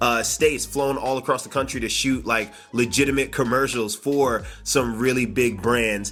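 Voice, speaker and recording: With music in the background, a man at medium pitch speaks at a moderate pace with fairly even intonation. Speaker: content creator and Instagram coach. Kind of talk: casual video introduction. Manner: pauses, frequent um.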